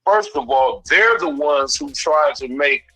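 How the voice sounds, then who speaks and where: A man's voice: a little high, lively intonation, a little slow, pushed and bright, breathy edge, no echo, faint music behind, rough recording. A man speaking as a radio show caller, arguing his opinion emphatically in casual street slang. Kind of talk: opinionated call-in debate.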